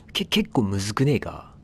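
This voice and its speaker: This let's play commentator has a lowish voice with a breathy edge. Chatting casually while playing, he talks to the game and its characters, responds to them, and apologizes for the noise.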